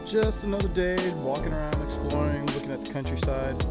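Loud music plays in the background. The sound is dry, with no echo. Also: man. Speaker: travel vlogger. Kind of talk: casual vlog chat. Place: open country. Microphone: phone near.

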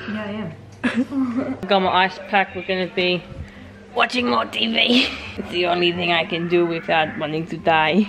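A woman speaks fairly slowly while music plays faintly behind her. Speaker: family vlogger. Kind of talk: casual vlog chat. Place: home room. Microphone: phone near.

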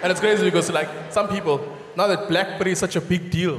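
Audible room echo and light background noise surround a man who speaks at a fairly quick pace in a high voice with ordinary pitch variation. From South Africa. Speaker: stand-up comedian. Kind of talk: live stand-up comedy. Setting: live theatre audience. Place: stage. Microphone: handheld.

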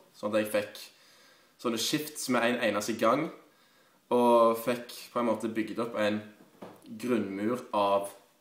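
A man speaks in a flat monotone. There is audible echo in the room. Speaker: coaching client giving a testimonial. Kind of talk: casual testimonial. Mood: relaxed, positive. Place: home room. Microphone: webcam.

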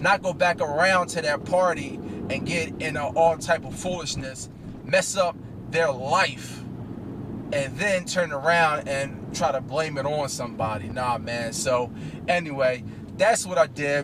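The speaker talks at a fairly slow pace with ordinary pitch variation. The sound is dry with no echo, and there is noticeable background noise. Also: man. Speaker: rideshare driver vlogger. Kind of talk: casual vlog chat. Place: car. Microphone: phone near.

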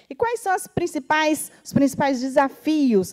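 A woman talks at a fairly slow pace. Nothing much can be heard behind her. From Brazil, interior of Goiás (Formosa); Goiás, Brazil. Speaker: scientist and university researcher; presenter. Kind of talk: conference talk. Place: hall.

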